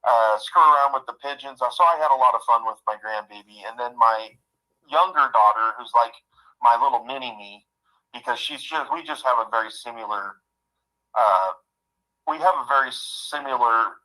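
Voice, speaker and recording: A man of about fifty with a bright, forceful voice who talks in a heartfelt, halting way, doubling back on his words. He shares a personal story over what sounds like a phone-line call. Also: medium pitch. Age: 50s. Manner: heartfelt, halting, repeats himself. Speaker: guest.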